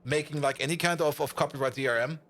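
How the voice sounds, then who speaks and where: A man live-streaming a game and chatting casually with viewers, rambling excitably and repeating his words. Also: a little high, quick pace, slight background noise. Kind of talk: casual chat with viewers while gaming.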